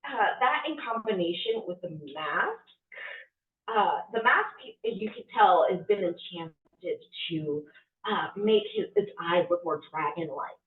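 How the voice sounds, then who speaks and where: A woman's voice: lowish voice, expressive, measured pace. A woman narrating a tabletop game as game master, hesitant with many ums and uhs. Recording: distant, echoey, phone-like audio.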